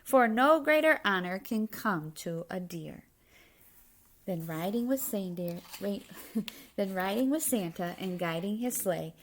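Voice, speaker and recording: A woman with a mid-range voice reads a children's storybook aloud, emphatic and expressive in its rhymes, stopping now and then for explanatory asides.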